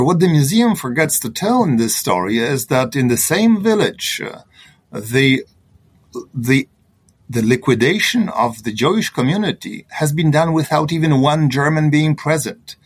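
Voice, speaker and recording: A man with a Polish accent answering interview questions in a halting, earnest way, full of fillers and restarts. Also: mid-range voice, slightly rough. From Poland. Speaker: historian guest.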